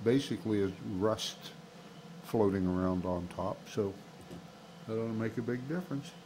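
With noticeable background noise behind him, a man talks at a moderate pace in a fairly low pitch with lively intonation. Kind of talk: tutorial. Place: garage. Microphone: camera far.

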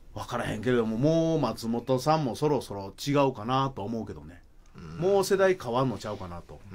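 Talking fairly quickly with a Kansai accent, a man swings very widely in pitch and shows big swings in loudness. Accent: Kansai Japanese. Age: 50s. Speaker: broadcast writer; radio host or guest. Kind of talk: casual chat. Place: studio.

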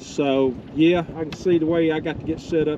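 A man speaks with fairly even intonation in a dry sound with no echo, with noticeable background noise. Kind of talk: tutorial. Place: boat. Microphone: phone near.

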